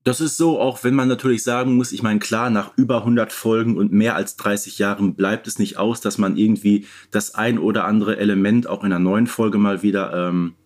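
A man's voice: on the low side, fairly even intonation, fairly quick, hardly any pauses, darkish tone. A man co-hosting a podcast, talking casually as a fan and explaining points in an informal discussion. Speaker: podcast co-host.

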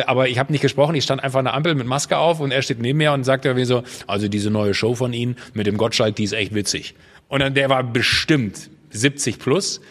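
Male podcast guest, husky and slightly high, animated storyteller, long reverb. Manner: animated storytelling, acts out voices, restarts often. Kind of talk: casual chat.

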